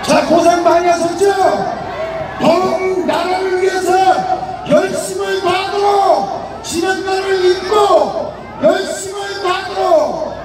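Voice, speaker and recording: Slow, shouting male rally MC in heavy echo. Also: extremely high pitch, steady tone. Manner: loud, shouting, exhortatory. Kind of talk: rally emceeing with chanted slogans. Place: outdoor street rally in front of a detention center. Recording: echoing PA outdoors, distant, noisy crowd. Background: crowd noise.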